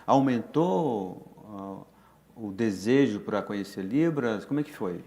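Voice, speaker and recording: A man's voice: on the low side, lively intonation, unhurried, dark tone, highs cut off. A man interviewing a guest on a church talk show, asking long, winding questions. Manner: asks long, rambling questions.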